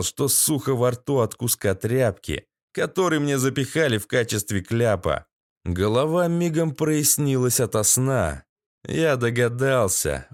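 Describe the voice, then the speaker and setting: Male audiobook narrator, sardonic gritty read, mid-pitched, dead-dry studio sound. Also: no room sound. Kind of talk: first-person audiobook narration.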